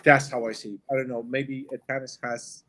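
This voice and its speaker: A man, a spiritual medium, talks in a casual podcast chat, encouraging and halting, often repeating his words. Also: mid-range voice, little pitch movement, pushed and bright, low-quality recording.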